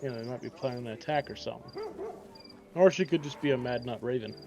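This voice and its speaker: A man's voice: mid-range voice, fast, muffled recording, over music. A man playing a tabletop game in casual chat, joking and wisecracking. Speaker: player.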